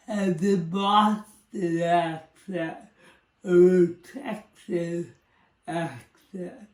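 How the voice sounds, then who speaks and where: Woman in her 40s, cerebral palsy speech, slow and deliberate, warm dark tone, sounds a bit distant. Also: lowish voice, echoey room. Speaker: psychology professor and advocate. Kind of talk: personal testimony.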